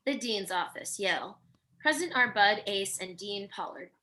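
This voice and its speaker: A woman serves as the narrator of a script read, delivering the stage directions. Her voice sits at a middle pitch with a bright, forceful edge. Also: expressive, normal speed, poor audio.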